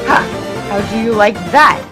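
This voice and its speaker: A woman's voice: fairly high pitch, moderate pace, natural voice. A woman voicing a hot-tempered female fish warrior in a comic dub, blustering and challenging. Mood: indignant. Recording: music behind the voice.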